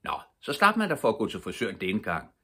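An older man reading aloud, voicing a cheeky, fearless little girl in a lively, bold and playful way. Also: on the low side, breathy edge, full character voice. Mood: merry. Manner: lively, bold, full of fun.

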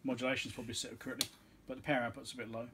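Rapid-fire and flat, a mid-range male voice gives offhand commentary over background noise. The speaker, an electronics repair technician who hosts videos, mutters his thoughts aloud while working at a cluttered little indoor workbench.

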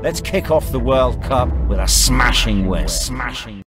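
An actor playing a determined, encouraging cricket team coach in a video game, speaking in emphatic, rehearsed lines. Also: male voice, mid-range voice, animated, unhurried, natural voice. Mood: rousing. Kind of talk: scripted motivational speech and press answers. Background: music.

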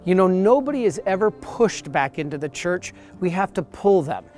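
A man in his forties, a priest, preaching earnestly to the camera outdoors on church steps, emphatic and steady, with soft music underneath. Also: sits high, moderate pace. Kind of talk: promotional sermon to camera.

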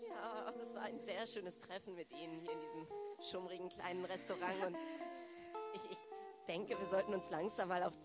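A woman's voice: lowish voice, normal speed, over loud music, natural voice. A woman playing a flirtatious date in an improvised amateur radio play.

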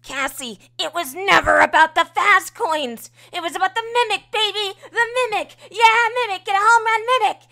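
Brief: woman plays cocky, frantic game kid, a boy, extremely high and bright, shouting slang. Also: moderate pace, gravelly, few pauses, heavily acted. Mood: frantic, excited. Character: hyperactive, cocky young boy from horror game. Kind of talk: character voice acting demo.

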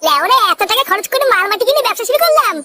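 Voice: extremely high pitch, sing-song, racing, a crowd in the background. A performer voicing a drunk, foul-mouthed young man who runs a new catering shop, boastful and crude, in a comic cartoon. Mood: grumbling. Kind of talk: Bengali comic cartoon acting. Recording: loud background music. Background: loud music.

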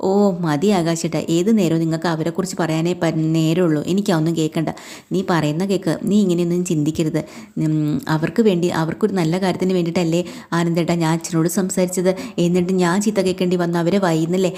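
A woman voices a sulking young wife who complains and pleads with her husband in a retold family story. The tone is low and mellow, and the delivery is brisk. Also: little pitch movement, close to an everyday voice. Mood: aggrieved.

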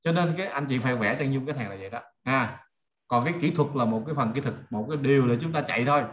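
A man's voice: medium pitch, quick pace, a bit bright, a little hiss or hum. A middle-aged man with a Southern Vietnamese accent teaching informally on a video call, using everyday examples and often checking that listeners follow. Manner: conversational, checks listeners follow with rhetorical questions. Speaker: online marketing trainer.

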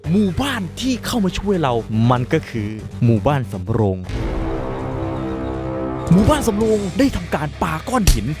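A man's voice: high voice, huge pitch swings, moderate pace, over music. A man telling a dramatic first-person story in colloquial speech, emphatic and suspenseful.

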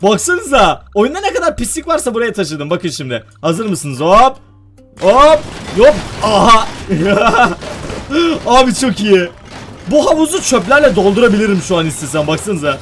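A man hosting a gaming video, giving excited let's-play commentary, chatting with viewers and often breaking into shouted exclamations. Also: high voice, moderate pace, soft background music.

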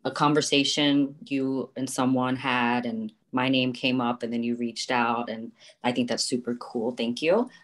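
A woman from West Virginia chatting on a group call, thinking aloud as she talks. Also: very deep voice. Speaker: guest director. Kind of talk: casual chat.

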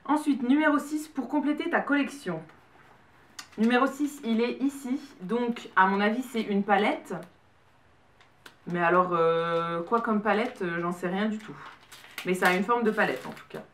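A young French woman in her twenties chatting excitedly as she unboxes a gift parcel for her vlog. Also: mid-range voice, distant mic, a little hiss or hum. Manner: chatty and excitable, quick bursts of delight. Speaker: beauty vlogger. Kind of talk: casual unboxing chat. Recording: roomy sound from away from the mic.

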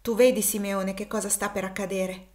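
A woman's voice: medium pitch, flat delivery, moderate pace, darkish tone, close to an everyday voice. Woman doing a shrewd, wry male guide in an audiobook, lightly acted. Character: brash shrewd male backwoods Quaker guide.

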